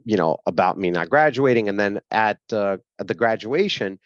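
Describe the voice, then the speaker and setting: A man's voice: lowish voice, lively intonation, moderate pace, dry recording, dull audio. A man in his forties with a Brooklyn accent, telling his life story as an interview guest, with many fillers and laughs. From grew up in Brooklyn, New York. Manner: frequent fillers, laughs while telling stories.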